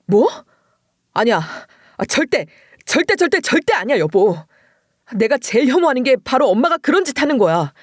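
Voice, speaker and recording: A woman's voice: sits high, very animated, normal speed, no echo, clean studio sound. A woman voicing a fed-up husband who finally explodes. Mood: pleading. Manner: pleading, then shouting in frustration. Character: exasperated young husband, normally quiet and reserved. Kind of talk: dramatized story reading.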